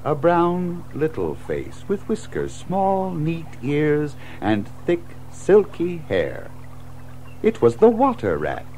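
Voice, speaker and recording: A man's voice: fairly high pitch, wildly swooping pitch, takes it slowly, a little mellow, slight background noise, poor audio. A man narrating a children's story in a dramatic, scripted storybook style.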